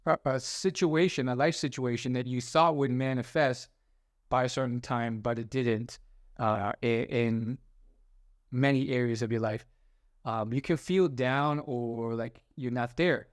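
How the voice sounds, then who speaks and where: A man's voice: medium pitch, clear, resonant tone, no room sound, clean studio sound. A young man hosting a self-help video, talking through his advice in a rambling, casual way with many fillers and restarts. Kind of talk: casual motivational monologue.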